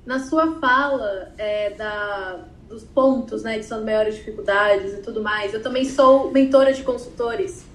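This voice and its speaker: A woman's voice: a little high, a little slow, few pauses. Thoughtful woman guest in an echoey room. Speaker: guest, mentor of consultants. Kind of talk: conversational interview.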